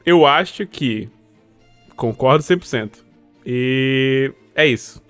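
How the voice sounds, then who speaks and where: A man's voice: mid-range voice, animated, slow, soft background music. A man co-hosting a casual podcast, laid-back and dry in his replies. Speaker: podcast co-host.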